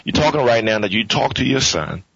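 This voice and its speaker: Husky male radio host, rambling questions. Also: mid-range voice, very animated, fairly quick, a bit bright, no echo. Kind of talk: interview questions. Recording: dry, muffled radio studio audio.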